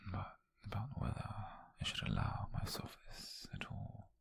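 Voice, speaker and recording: A man voicing a tender, flirtatious witch on a date in an ASMR roleplay, with a British accent and a soft, breathy, gravelly whisper. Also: deep voice, heavily acted. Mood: vulnerable, tender. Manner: soft, intimate, slow and hesitant.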